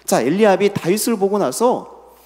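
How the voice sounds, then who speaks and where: A middle-aged man preaches a sermon as senior pastor, leading the congregation through scripture and putting questions to them. His voice is high-pitched, animated and darkish, at a normal speed. The church sanctuary gives the recording a long hall reverb.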